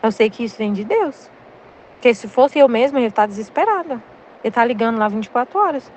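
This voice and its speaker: A woman's voice: a little high, animated, brisk, darkish tone, lo-fi sound, slight background noise. A woman in her thirties with a Brazilian Portuguese accent, leading a Catholic study and candidly sharing a personal faith testimony in casual spiritual reflection. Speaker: Catholic study group leader.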